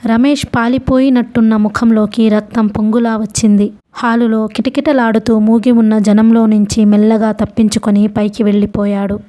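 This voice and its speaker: A woman narrating a novel as an audiobook, with steady, emotive storytelling. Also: a little high.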